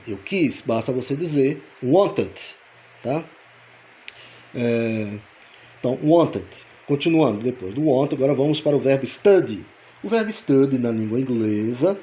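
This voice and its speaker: A man's voice: medium pitch, warm tone. A man teaching English grammar, patiently repeating points and spelling words out letter by letter. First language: Portuguese. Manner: patient, repetitive explaining. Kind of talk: explaining grammar in a video lesson.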